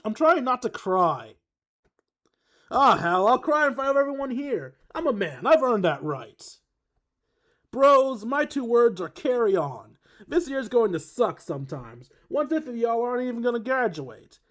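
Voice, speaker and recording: A player voicing a gruff, pumped-up young surfer man giving a slangy pep talk in a game. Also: medium pitch, voice pushed up. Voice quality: gruff, hyped, shouty. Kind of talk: voice acting a game character.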